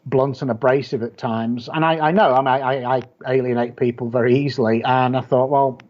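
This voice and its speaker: A man's voice: medium pitch, fairly even intonation, a little fast, lo-fi sound. A man with a Yorkshire accent chatting casually as an interview guest, blunt and rambling, often restarting his sentences. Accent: Yorkshire English. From Yorkshire, England. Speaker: guest, horror author and publisher.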